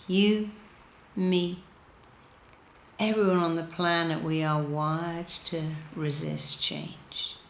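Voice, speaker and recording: A woman with a low voice leads a guided meditation. She speaks very slowly and soothingly, leaving pauses between repeated, deliberate instructions. The sound is roomy and reverberant. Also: creaky, slight background noise. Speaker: guided meditation leader, hypnotherapist.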